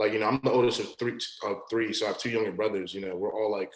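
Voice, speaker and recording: The speaker is a man. His pitch is medium. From US Northeast (Long Island, New York), partly Nigeria. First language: Igbo. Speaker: startup founder and investor. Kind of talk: podcast interview. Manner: casual, filler-heavy.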